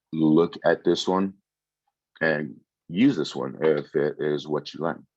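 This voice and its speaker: This man's voice is very deep and low, with vocal fry and ordinary pitch variation. He speaks at a very slow pace. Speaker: workforce services staff presenter. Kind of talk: webinar presentation. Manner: halting, many fillers.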